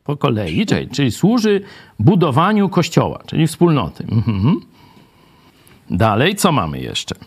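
A man leading a lively Bible study lecture, ironic and animated, asking the group questions and tagging his points with a quick "right?". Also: medium pitch, slightly rough. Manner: many fillers and "nie?" tags.

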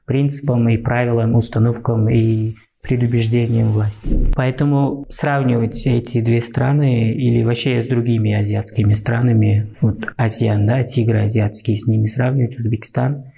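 Gravelly man with a Central Asian Russian accent. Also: mid-range voice, little pitch movement, moderate pace, hardly any pauses, mellow. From Uzbekistan. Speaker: interviewed expert guest. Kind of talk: conversational explanation in a podcast interview.

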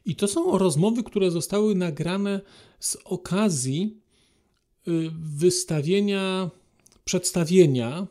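A man hosting a podcast, speaking formally and politely to listeners in a halting monologue. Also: high-pitched, dark tone. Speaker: podcast host.

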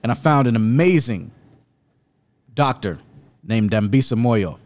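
A man's voice: medium pitch, animated, measured pace, a little mellow. A man hosting an opinionated video commentary, speaking in an emphatic, rhetorical and indignant way. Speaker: commentary host.

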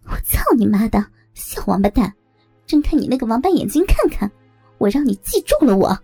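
A woman's voice: on the high side, big pitch swings, a little fast, creaky, husky, soft background music, full character voice. Woman playing a hot-tempered brawling girl. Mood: enraged. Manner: shouting, foul-mouthed.

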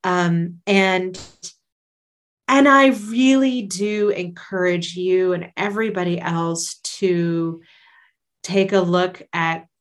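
A woman's voice: lowish voice, steady tone, slow pace. A woman guest on a podcast, a singer and life coach, talking in a casual, enthusiastic and encouraging way and laughing often.

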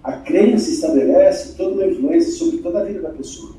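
A man hosting a podcast interview as a communication coach, talking in an animated, emphatic way and acting out quoted voices. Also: high-pitched, fairly quick. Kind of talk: conversational interview, teaching with examples. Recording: very echoey room, distant mic.

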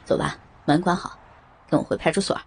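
A woman's voice: low voice, steady tone, fairly quick, gravelly, husky, voice pushed down, heavily acted. A woman voicing a stern male police officer who asks short, cold questions.

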